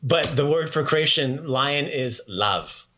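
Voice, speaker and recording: A man teaching a casual language lesson in an upbeat, chatty way, repeating words slowly for learners. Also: a little high, animated, bright, forceful tone.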